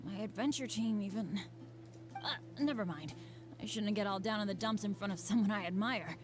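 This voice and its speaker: A woman's voice: medium pitch, normal speed, natural voice. A woman voicing an eager, unlucky, self-deprecating teenage boy adventurer in a video game, with an earnest, boyish, hesitant delivery. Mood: sheepish. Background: game music.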